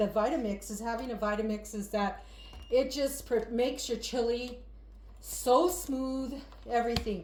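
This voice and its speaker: A woman speaks in an animated tone at a fairly slow pace, with audible room echo and noticeable background noise. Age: 60s. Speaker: cooking channel host. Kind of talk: cooking tutorial. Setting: home patio. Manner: chatty, animated.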